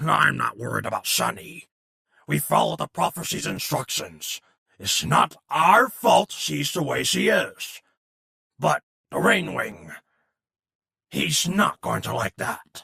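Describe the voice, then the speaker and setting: A man puts on a character voice that is raspy and very deep and low in pitch. He talks at a fairly slow pace with long, frequent pauses. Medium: audio drama. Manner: harsh, unsentimental.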